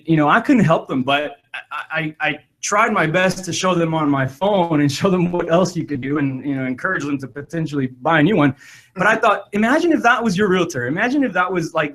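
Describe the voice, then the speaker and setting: A man's voice: fairly high pitch, fairly quick, fairly bright tone. A man hosting a podcast, telling a rambling funny story with lots of repeated words and laughter. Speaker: podcast host. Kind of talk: casual storytelling.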